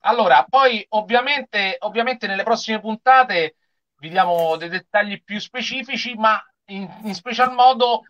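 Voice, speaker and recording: A man's voice: sits high, measured pace, fairly bright tone. A man hosting a casual, teasing group chat over a lo-fi video call. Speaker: live show host. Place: room at home, on a video call.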